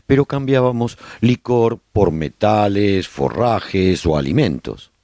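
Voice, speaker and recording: A man narrating a radio drama as a survivor chronicling life in his colony, with measured, expressive storytelling. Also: fairly low pitch, no echo, studio quality. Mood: reflective storytelling. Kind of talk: scripted first-person narration, radio drama.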